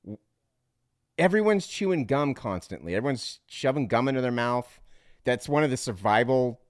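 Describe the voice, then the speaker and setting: A man's voice: mid-range voice, no room sound, studio quality. A man co-hosting a casual movie podcast, eager and laughing often. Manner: eager, laughs often, quick bursts of excitement. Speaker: podcast co-host.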